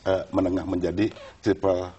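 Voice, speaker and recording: A man speaking as an official guest in an interview, explaining in a halting way and repeating words. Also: low voice, monotone, warm tone, muffled recording. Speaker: government official, panel guest.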